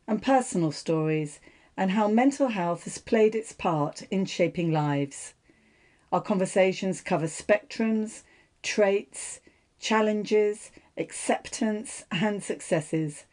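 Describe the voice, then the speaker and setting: Here the same sixty-year-old podcast host and psychotherapist has a medium-pitched, somewhat mellow voice. Warm, courteous and gushing, she reads a scripted opening and then chats with her interview guest.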